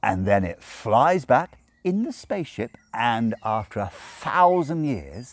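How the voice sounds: This is a man in a put-on character voice. He speaks slowly with big pitch swings. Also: medium pitch for a man.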